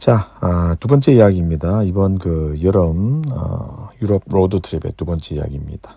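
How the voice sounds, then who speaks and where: With lively intonation, a man speaks in a very deep, low pitch and a dark, mellow tone. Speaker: travel vlogger. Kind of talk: travel vlog narration. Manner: halting, many filler sounds.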